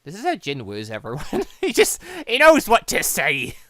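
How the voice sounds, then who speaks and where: A man's voice: on the high side, wildly swooping pitch, normal speed, fairly bright tone, no echo, clean studio sound. A man giving casual, rambling let's-play commentary on a visual novel, chatting and reading dialogue aloud as the channel's host.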